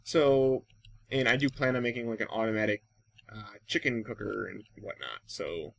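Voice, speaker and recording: A man's voice: fairly low pitch, normal speed, gravelly, a little hiss or hum. An American man from Wisconsin giving casual Let's Play commentary, rambling and thinking aloud as he goes. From Wisconsin, United States. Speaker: gaming YouTuber and host.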